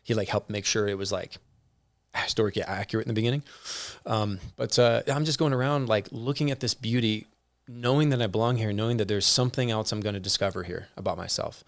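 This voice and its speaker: Emotional, low-voiced male storyteller. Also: quick pace, no room sound. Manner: animated, emotional storyteller with many restarts. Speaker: podcast guest. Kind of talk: casual storytelling conversation. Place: indoor room with whiskey and pipes.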